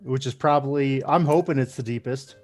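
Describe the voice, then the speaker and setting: A man's voice: mid-range voice, moderate pace, darkish tone, soft background music. A man playing a tabletop game, joking and playing dim. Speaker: player. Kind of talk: casual game chat.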